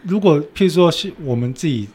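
A man with a Taiwanese Mandarin accent co-hosts a casual podcast chat. He talks quickly and jokes around while he explains things with everyday examples. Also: on the high side, animated, darkish tone, breathy edge. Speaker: podcast co-host.

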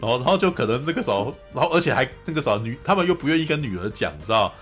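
A man hosting a casual anime review chat, retelling scenes in an animated way, often laughing and checking in with "you know?". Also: mid-range voice, very fast, soft background music. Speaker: host.

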